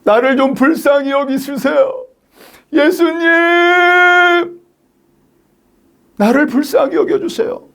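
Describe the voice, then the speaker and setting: A man's voice: extremely high pitch, animated, takes it slowly, hardly any pauses, pitched above the performer's own voice, full character voice. A man crying out as a desperate blind beggar. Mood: pleading. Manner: loud pleading cries.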